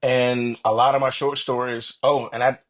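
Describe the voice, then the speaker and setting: A man's voice: mid-range voice, little pitch movement, normal speed. A man speaking casually as an author guest in an interview.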